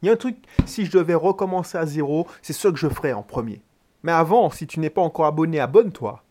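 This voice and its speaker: A man's voice: fairly high pitch, animated, fast, a little mellow. Man hosting a motivational business podcast. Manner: addresses the listener directly and informally, with frequent restarts; emphatic, pushing the listener to act. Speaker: podcast host. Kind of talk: motivational solo podcast talk.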